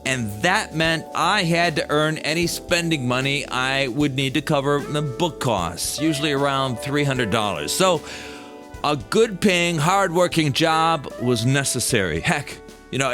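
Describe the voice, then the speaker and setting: A man's voice: on the high side, a bit bright. A middle-aged American man telling a first-person story in a conversational, folksy way. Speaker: podcast host and storyteller. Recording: music playing behind the voice. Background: background music.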